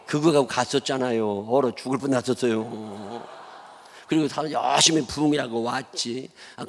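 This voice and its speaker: A man's voice: mid-range voice, darkish tone, in a large hall. A middle-aged man with a Chungcheong accent preaching a sermon as a pastor, telling stories in a blunt, humorous, folksy way. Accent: Chungcheong Korean. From Chungcheong, South Korea. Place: church sanctuary.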